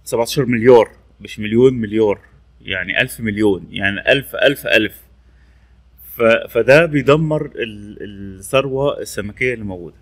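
A man with an Egyptian Arabic accent repeats labels while demonstrating a training tool in a casual screen-recorded tech tutorial. His voice is fairly low in pitch, a bit bright, and a little fast.

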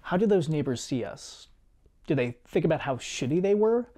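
A man's voice: on the high side, expressive. Reflective man narrating a personal video essay. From United States. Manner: measured, reflective storytelling with quiet asides. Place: small home studio room with guitars and shelves.

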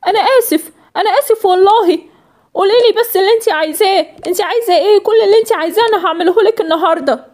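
A woman's voice: extremely high pitch, rapid-fire, a little mellow. A woman voicing a sheepish cheating husband. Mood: pleading. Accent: Egyptian Arabic. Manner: pleading, making excuses. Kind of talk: storytelling doll cartoon voiceover.

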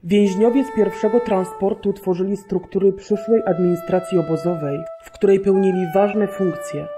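Male narrator, scripted historical delivery, clearly audible music bed. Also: high voice, mellow. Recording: narration over prominent music.

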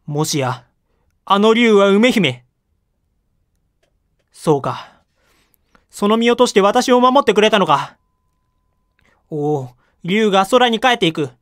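A man's voice: sits high, expressive, slow pace, pauses often, a bit bright, full character voice. A man playing an anguished samurai lord in a period voice drama, with theatrical, archaic warrior speech. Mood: awestruck. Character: anguished samurai lord watching his castle fall.

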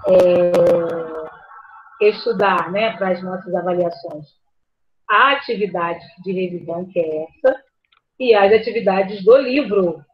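A woman teacher, slowly and patiently reviewing a grammar lesson for a class online. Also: lowish voice. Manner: slow, patient, spells words out. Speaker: primary school teacher. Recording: slightly muffled lo-fi audio.

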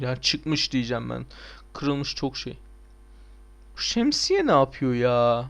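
A young man giving casual, excitable gameplay commentary, swearing and shouting at the game. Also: fairly high pitch. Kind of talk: casual let's play commentary.

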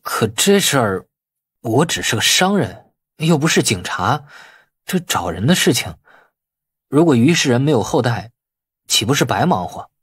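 A man's voice: medium pitch, very animated, moderate pace, long pauses, fairly bright tone, breathy edge, no room sound, clean studio sound, full character voice. A man voicing a cocky yet easily flustered businessman in audiobook dialogue, eager and informal. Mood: bewildered, protesting.

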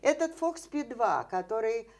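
A woman's voice: fairly high pitch, lively intonation, unhurried, darkish tone. An older woman, a scientist guest in an interview, explaining ideas at length with many fillers and rhetorical questions, seated in a dim indoor room.

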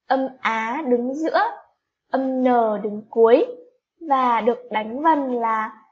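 A high-pitched woman teacher, drawing out every syllable at an unhurried pace for small children. She spells word by word and gently asks the class questions. The recording sounds a little dull and lo-fi. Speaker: primary school teacher. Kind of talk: slow spelling lesson for young children.

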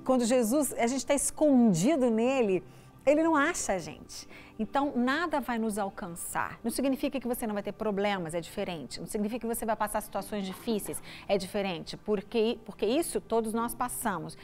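A woman's voice: on the high side, lively intonation, a little fast, darkish tone. A middle-aged woman pastor with a Brazilian Portuguese accent gives a short, conversational devotional talk in a TV studio. She speaks to the viewer through a lapel mic. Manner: conversational, often asks the viewer "né?". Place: TV studio set.

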